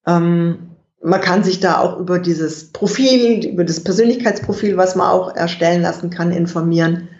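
A guest expert in an interview, explaining communication in a measured way and thinking aloud with fillers. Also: medium pitch, a little mellow. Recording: dull, roomy recording.

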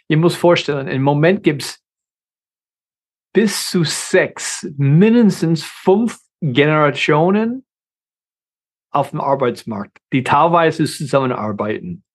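A man's voice: a little high, unhurried. A middle-aged man from the United States with an American accent, a guest consultant talking in his second language, with frequent restarts and grammar slips. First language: English. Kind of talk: conversational interview.

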